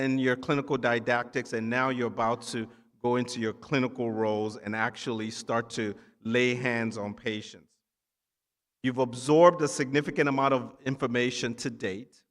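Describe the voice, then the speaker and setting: A man's voice: mid-range voice, steady tone, moderate pace, fairly bright tone. Man giving an echoey hall keynote speech. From Nigeria. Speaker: keynote speaker, physician assistant. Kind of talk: ceremony keynote speech to students. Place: large indoor hall at a ceremony. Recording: echoey hall with long reverb.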